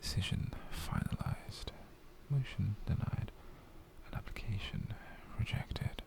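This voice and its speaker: A man's voice: lowish voice, takes it slowly, gravelly. A man with a British accent playing a doting, possessive, menacingly sweet boyfriend in a whispered, coaxing ASMR roleplay. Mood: teasing, possessive. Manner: coaxing, teasing, theatrical.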